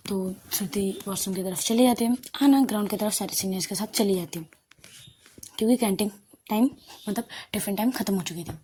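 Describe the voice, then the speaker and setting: A woman's voice: medium pitch, fairly quick, mellow, slight background noise. A young woman narrating an audio love story in a casual, chatty way, sometimes dropping to a whisper. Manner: casual, conversational, drops to a whisper at times.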